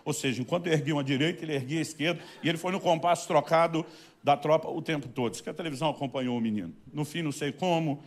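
A middle-aged pastor from Brazil preaching with a fairly high voice. He tells his stories with animation, and his voice swells loudly at the climaxes. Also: rapid-fire. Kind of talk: sermon with storytelling.

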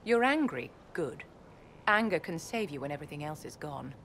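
Casting: commanding aristocratic lady in a fantasy game, poised, lowish register, formal and haughty. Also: sing-song, normal speed, fairly bright tone, a little hiss or hum, full character voice. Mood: commanding, cool. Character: poised, commanding, imperious noblewoman court enchanter and advisor. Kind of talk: fantasy video game acting.

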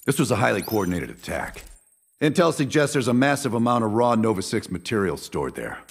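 An actor playing a stern middle-aged military handler in a video game, giving briefings and orders with a gravelly voice. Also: male voice, lowish voice, very animated, brisk, exaggerated voice. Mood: grave, urgent. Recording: loud background music.

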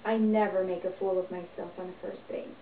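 A middle-aged woman performer giving a deadpan, tongue-in-cheek monologue to camera. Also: fairly low pitch, brisk, very noisy. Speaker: comedy performer. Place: small indoor room, plain wall. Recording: echoey, distant, dull home recording.

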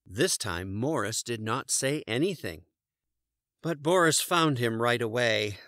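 An older man narrates a children's story with deliberate diction. His voice is bright and animated, and it is recorded very dry and close. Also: medium pitch, no echo.

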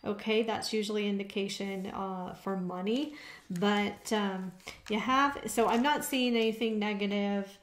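A woman's voice: medium pitch, steady tone, measured pace. Woman, tarot reader, casual check-ins, roomy echo. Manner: conversational, frequent "okay?" check-ins. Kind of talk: tarot reading to camera. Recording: echoey room.

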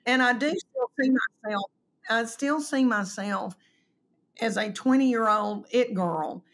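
A woman in her fifties, a comedian guest on a video call, telling candid stories in an earnest, self-deprecating way that often trails off into quieter asides. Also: a little high, slow. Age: 50s. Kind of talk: candid conversational storytelling. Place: home room on a video call.

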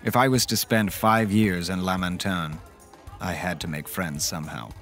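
An actor playing a caring, reflective man who recounts eerie events in measured, dramatic first-person horror narration. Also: low voice, fairly even intonation, a bit bright. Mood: uneasy, reflective. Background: music underneath.

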